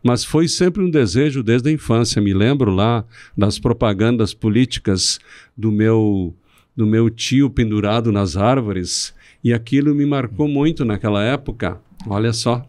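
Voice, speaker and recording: A middle-aged man from southern Brazil, a city councilman guest on a podcast, speaking in a measured, speechifying way with some restarts. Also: mid-range voice, a little mellow, dry recording, studio quality. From Rio Grande do Sul, Brazil. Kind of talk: podcast interview.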